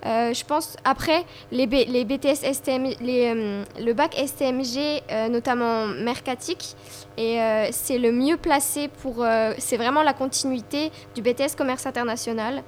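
High-voiced young woman hosting. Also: moderate pace, slight background noise. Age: young adult. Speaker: student host of a round-table discussion. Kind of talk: casual moderated student discussion.

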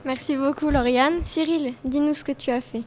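High-voiced young woman hosting. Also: fairly even intonation, moderate pace, darkish tone, slight background noise. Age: young adult. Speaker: student host of a round-table discussion. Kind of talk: casual moderated student discussion.

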